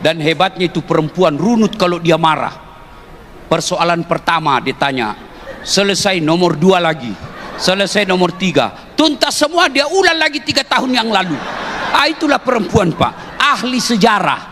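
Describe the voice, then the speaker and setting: A male preacher with a high, bright, ringing voice gives a humorous sermon, teasing his listeners and breaking into shouts. He is recorded in a large hall with a long reverb tail and faint background noise. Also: moderate pace. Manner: joking, animated, teasing the audience, bursts of shouting.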